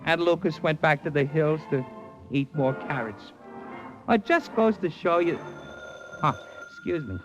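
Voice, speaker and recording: An actor playing a brash middle-aged movie agent who narrates a 1950s radio drama. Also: male voice, fairly high pitch, expressive, a little slow, long pauses, muffled recording, faint music behind. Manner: brash, breezy wisecracking. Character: fast-talking middle-aged male talent agent.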